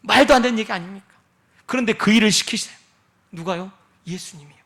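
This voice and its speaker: High-voiced bright Korean male preacher. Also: quick pace. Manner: dramatic preacher acting out prayers and Jesus' words; drops to a near whisper for Jesus' words. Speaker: pastor. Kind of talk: sermon.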